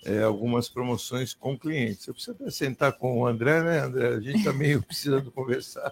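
At a moderate pace with hardly any pauses, an ordinary speaking voice shows ordinary pitch variation in a dry, close sound with no echo. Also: man, medium pitch for a man. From Santos region, São Paulo state, Brazil. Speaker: business association president. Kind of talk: radio talk show discussion.

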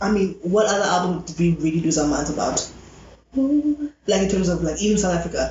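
A woman at medium pitch talks at a fairly quick pace with lively intonation, an animated tone and very even loudness, over noticeable background noise. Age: 20s. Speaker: podcast co-host. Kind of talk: casual chat. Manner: mumbles, repeats words; animated, laughs often.

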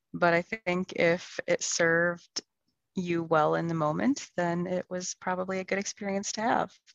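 A woman talks with a Upper Midwest US accent. Her intonation stays fairly even. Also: moderate pace. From rural Wisconsin. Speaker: guest co-host. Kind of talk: casual chat. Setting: video call.

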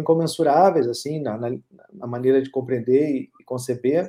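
This dark, mellow tone carries ordinary pitch variation on a very clean recording with a silent background. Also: man. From Rio Grande do Sul, Brazil (Santo Ângelo), partly raised in Minas Gerais. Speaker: political science professor. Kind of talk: interview. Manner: hesitant, repeats words.

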